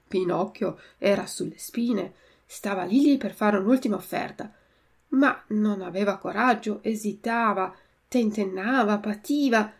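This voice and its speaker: A woman teacher reading a story aloud slowly, giving different voices to the characters, then going through a word glossary. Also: mid-range voice, vocal fry, husky.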